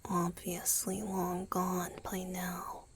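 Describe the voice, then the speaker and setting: A woman voicing a gentle, guilt-ridden young male vampire boyfriend in an ASMR roleplay, breathy and whispery, with a hesitant, tender, confessional manner. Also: on the low side, monotone, slow, noisy background. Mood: subdued, reflective.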